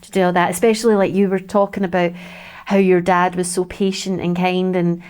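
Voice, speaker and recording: A woman's voice: fairly low pitch, little pitch movement, fairly quick, a little mellow, clear, resonant tone. A woman hosting a casual conversation, reflecting on what guests say and asking follow-up questions.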